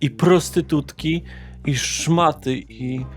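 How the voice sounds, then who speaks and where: Man putting on a slow, vain vampire socialite woman. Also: on the high side. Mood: catty, scornful. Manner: theatrical, catty, vulgar. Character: flamboyant, vain, foul-mouthed vampire socialite woman in a wig. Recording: music behind the voice.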